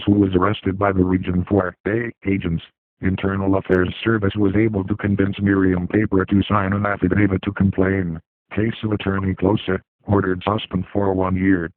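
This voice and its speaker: A man reading a scripted accusing statement as an anonymous hacker, his voice disguised and pitched down, steady and flat. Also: no echo. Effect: disguised, pitched-down deep voice. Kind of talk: scripted statement read aloud. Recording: dry, tinny phone-like sound.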